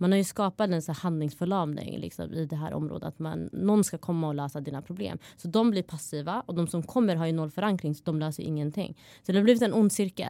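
At a very fast pace with hardly any pauses, a woman speaks in a dark, mellow tone at a fairly low pitch with ordinary variation. The recording is very clean, with a silent background. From Malmö, southern Sweden. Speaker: social entrepreneur, co-founder of a nonprofit. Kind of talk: interview conversation. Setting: hotel, podcast recording.

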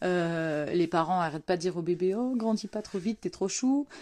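Against a quiet background, a woman talks at a moderate pace. Her tone is dark and mellow, with ordinary pitch variation. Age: 30s. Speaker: listener. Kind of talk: voice message testimony.

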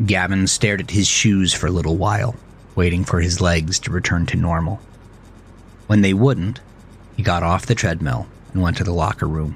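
A man with a very deep, low pitch speaks in a dramatic tone with long, frequent pauses. Music plays in the background. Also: ordinary pitch variation. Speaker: horror fiction author reading his own stories as podcast host.

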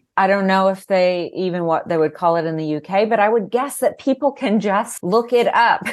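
A woman with an unremarkable speaking voice talks at a moderate pace, hardly pausing at all. Her pitch is medium with ordinary variation, against a quiet background. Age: 50s. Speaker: podcast host and literary agent. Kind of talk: casual interview chat; scripted intro narration.

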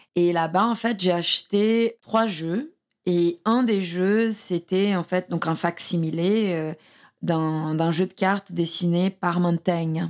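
A woman with a Portuguese accent speaks very slowly at a fairly low pitch with fairly even intonation. Her loudness stays very even, and the recording is very clean with a silent background. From Brazil (Rio). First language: Portuguese (speaking French). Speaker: astrologer. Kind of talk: interview.

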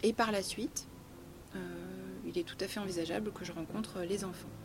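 A woman speaks at a fairly quick pace in a fairly low pitch with ordinary pitch variation, over noticeable background noise. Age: 30s. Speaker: parenting coach. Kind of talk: interview. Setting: yurt office. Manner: hesitant with many fillers.

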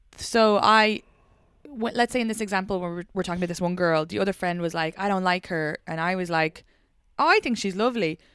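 The pace is fairly quick, in an Irish accent. The sound is dry and close, with no echo. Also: woman, medium pitch for a woman, ordinary pitch variation, very clean recording, silent background. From Ireland, Kildare. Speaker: comedian and podcast host. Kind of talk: casual chat. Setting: at home with cat.

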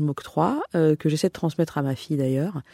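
The sound is dry and close with no echo as a woman speaks in a very deep, low pitch. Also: very clean recording, silent background. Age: 40s. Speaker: interior design firm co-founder. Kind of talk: interview.

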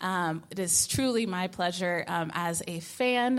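With an ordinary speaking voice, a woman talks fairly low in pitch and varies it in an ordinary way. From Austin, Texas. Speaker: activist and community organizer. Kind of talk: moderated live discussion. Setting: stage with audience.

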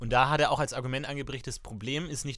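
Speaking at a very fast pace, a man with a medium pitch and vocal fry comes through on a very clean recording with a silent background. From Munich, Bavaria. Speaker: podcast co-host. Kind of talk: casual chat.

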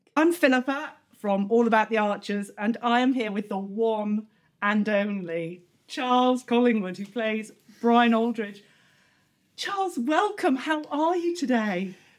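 Her voice is a plain, everyday voice, fairly high in pitch, with lively intonation at a fairly slow pace. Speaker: podcast host. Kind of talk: interview. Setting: in a BBC building in Birmingham.

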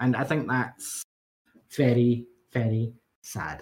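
A somewhat breathy woman's voice with a Scottish accent, very deep and low in pitch. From Scotland. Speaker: Twitch streamer and video editor. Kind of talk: casual chat.

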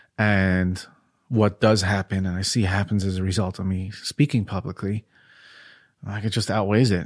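A man's fairly low voice at a moderate pace, fairly even in intonation, dry and close with no echo, on a very clean recording with a silent background. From Brooklyn, New York. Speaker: life coach. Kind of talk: interview.

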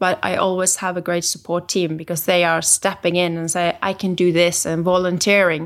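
The speaker has a Norwegian accent. The recording is very clean, with a silent background. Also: woman. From Norway, Bergen. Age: 40s. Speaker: tech executive. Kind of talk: interview. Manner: halting.

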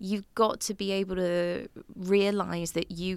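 Fairly low in pitch, a woman speaks in a normal speaking voice on a very clean recording with a silent background. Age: 30s. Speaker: PR agency founder and CEO. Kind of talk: casual chat.

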